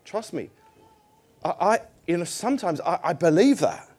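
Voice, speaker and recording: A man's voice: sits high, big pitch swings, normal speed, darkish tone, breathy edge. A middle-aged man preaching a sermon in a church, conversational and self-deprecating, putting questions to the congregation.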